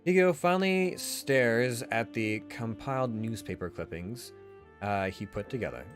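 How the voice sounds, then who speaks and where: A man's voice: mid-range voice, expressive, unhurried. A man streaming a visual novel, reading the narration dramatically and adding casual asides. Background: faint music.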